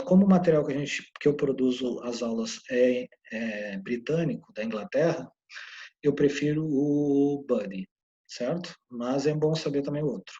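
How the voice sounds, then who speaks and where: A man's voice: a little high, mellow, muffled recording. Man teaching English. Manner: explains step by step, often checks in with "né?" and "ok?". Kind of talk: recorded online lesson.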